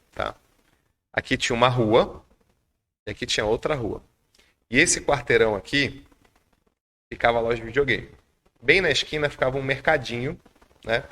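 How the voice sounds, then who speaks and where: Gravelly Brazilian man telling a story. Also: medium pitch. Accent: Brazilian Portuguese. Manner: animated storyteller, acts out quoted dialogue. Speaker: podcast guest. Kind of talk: storytelling in a podcast interview.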